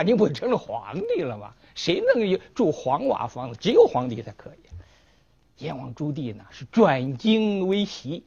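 Male history lecturer, storytelling style, very animated, slightly muffled recording. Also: high voice, breathy edge. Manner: animated, acts out dialogue. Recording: dull lo-fi recording.

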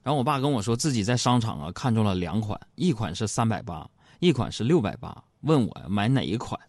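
A man's voice: on the low side, sing-song, brisk, darkish tone, no room sound, clean studio sound. A man hosting a show, teasing his listeners and mock-complaining in a comic monologue. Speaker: host.

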